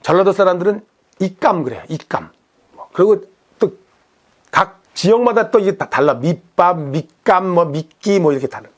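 Man telling a lively comedy story. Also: sits high, normal speed. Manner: animated anecdote telling, acting out characters. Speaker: comedian host. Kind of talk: stand-up storytelling.

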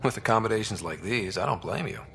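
A man playing a dry, teasing, steady young space adventurer in a video game, wry and deadpan. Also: fairly low pitch, fast talker, gravelly, slight background noise. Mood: teasing, supportive. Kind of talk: video game dialogue acting.

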